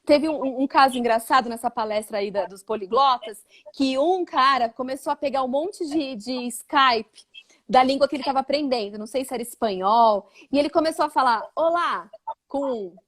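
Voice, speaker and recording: A woman's voice: high voice, a little fast. A woman from Brazil, an English teacher, chatting casually in an interview and acting out quoted voices. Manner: animated, acts out quoted voices.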